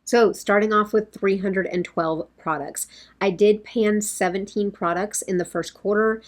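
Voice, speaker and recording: A woman in her thirties, slightly hoarse, chatting casually to camera in a rambling way from her home makeup room. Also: medium pitch, steady tone, a little slow. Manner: rambling, talks with her hands. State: a bit hoarse, losing her voice. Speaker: beauty vlogger.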